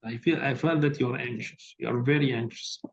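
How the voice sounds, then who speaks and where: A soft-spoken man tutors a candidate over a video call, with a gravelly, flat and hesitant delivery full of fillers. He corrects mistakes directly. The call audio is dull and lo-fi, with a faint hiss behind it. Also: a little fast. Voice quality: low soft voice. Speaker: exam tutor giving feedback. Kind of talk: online tutoring feedback session. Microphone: laptop on a video call.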